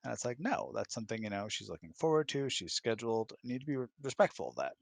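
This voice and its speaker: A man talking casually in a question-and-answer chat, explaining things in a thoughtful, halting, emphatic way. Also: mid-range voice, very animated, gravelly, dry recording. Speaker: husband co-hosting a live Q&A. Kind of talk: casual conversational advice chat. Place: close-miked online voice chat, dry.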